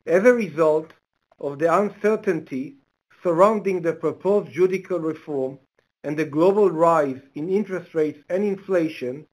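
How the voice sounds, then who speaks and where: A man with an Israeli accent and a voice pitched a little above average. He delivers financial results as a company executive on an earnings call. His delivery is formal and measured, clearly read from prepared remarks. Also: rough recording.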